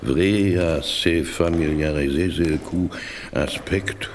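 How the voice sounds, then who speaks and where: An actor playing an imperious, fervent Catholic vicar in a historical radio drama, commanding and theatrical. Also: male voice, rumbling low, drawn-out words, a little hiss or hum, full character voice. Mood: probing, disapproving.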